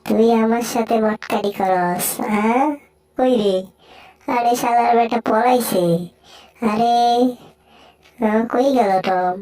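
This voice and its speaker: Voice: mid-range voice, slow pace, pauses often, darkish tone, recorded from a distance, natural voice. A performer voicing a hot-tempered male cartoon cat in a fan dub, grumbling threats and scolding. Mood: angry.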